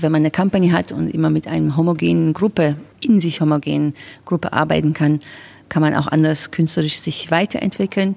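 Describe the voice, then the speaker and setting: A woman with a Turkish accent talks at a fairly quick pace in a very deep, low pitch, keeping her intonation fairly even. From Turkey (Ankara). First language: Turkish (speaking German). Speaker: dance curator and choreographer. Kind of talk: interview.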